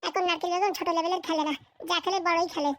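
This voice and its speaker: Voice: very high-pitched, steady tone, very fast, fairly bright tone, no room sound. A performer voicing a scheming, bossy village madam in a comedy cartoon, with scolding, boastful colloquial chatter. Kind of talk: exaggerated cartoon comedy dialogue.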